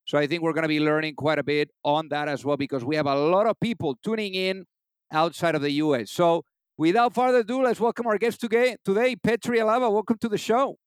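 A man with a fairly high, smooth and clear voice hosts an interview show, eager and quick to hand over to his guest. He fills his questions with casual "you know" fillers, and the sound is close and dry. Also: no room sound. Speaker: podcast host. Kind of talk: interview hosting.

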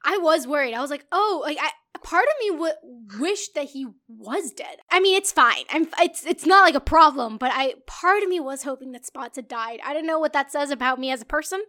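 A woman with a high, bright voice talks through a film in loose, opinionated podcast chat. She gets animated, trails off mid-thought and restarts often. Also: brisk, few pauses. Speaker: podcast co-host. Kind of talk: casual film discussion.

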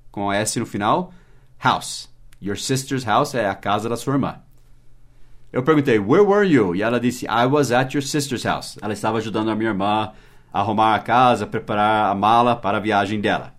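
A man's voice: on the low side, fairly bright tone. Man spelling out English words. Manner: spells words letter by letter, switches into slow English examples. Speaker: English teacher. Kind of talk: mini-podcast language lesson.

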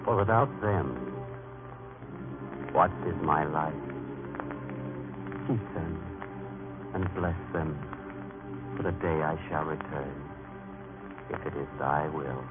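A man playing an anxious, proud and devout merchant husband in a radio drama, in an acted, sometimes halting manner. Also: rumbling low. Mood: prayerful, solemn. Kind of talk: old-time radio drama acting. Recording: thin, narrow-band old radio recording with music.

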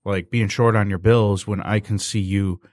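Low-voiced male, loose and rambling, casual tone. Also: steady tone, normal speed, a little mellow, dry recording, studio quality. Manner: rambling, many fillers, swears. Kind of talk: casual storytelling.

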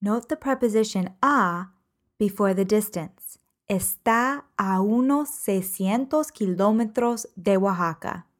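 Slow, careful woman teaching. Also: mid-range voice. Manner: measured, carefully enunciated example sentences. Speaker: Spanish language teacher. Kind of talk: slow, clear podcast lesson.

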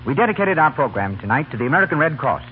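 A man's voice: medium pitch, very animated, racing. A man making formal scripted announcements in the style of 1930s radio. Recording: tinny, noisy 1930s radio recording.

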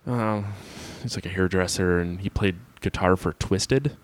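A man from Wisconsin with a light Wisconsin accent co-hosts a podcast and tells crude, joking stories. His voice sits on the low side and comes through close and dry. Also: measured pace, dry recording. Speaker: podcast co-host. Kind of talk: casual podcast chat.

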